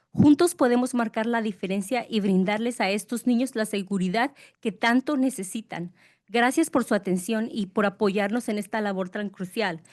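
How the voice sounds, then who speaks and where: A woman's voice: a little high, darkish tone. A woman giving a prepared plea as a community member at a public meeting.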